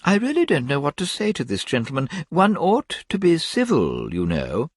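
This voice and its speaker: A man's voice: fairly high pitch, huge pitch swings, moderate pace, slightly rough, no room sound, studio quality, voice pushed up, exaggerated voice. A man voicing a fussy, vain middle-aged mother in a storybook reading, prim and simpering as she scolds. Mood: prim fluster.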